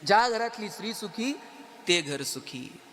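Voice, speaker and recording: A man giving an animated motivational stage speech, telling humorous stories and speaking straight to the audience. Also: sits high, measured pace. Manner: animated, addresses the audience directly. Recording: long hall reverb with faint music.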